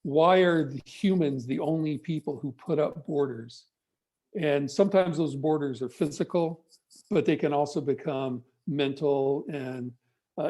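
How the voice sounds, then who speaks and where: Mellow-voiced man telling a story. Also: fairly high pitch. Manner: measured, storytelling delivery. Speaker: guest speaker. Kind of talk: reflective talk on an online event. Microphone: video call.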